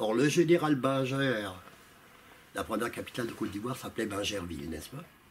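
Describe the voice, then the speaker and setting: A medium-pitched man talks at a fairly slow pace with very wide pitch swings. Light background noise can be heard. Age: 70s. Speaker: former journalist and political activist. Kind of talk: interview answer. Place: home room.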